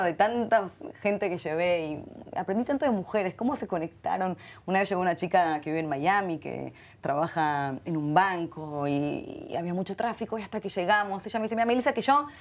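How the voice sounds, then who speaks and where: A middle-aged woman with an Argentine accent speaks as an interview guest. She tells her stories in an expressive, heartfelt way, often repeating words. Her pitch sits in an ordinary middle range. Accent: Argentine Spanish. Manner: warm and expressive, many repeated words and Hebrew terms.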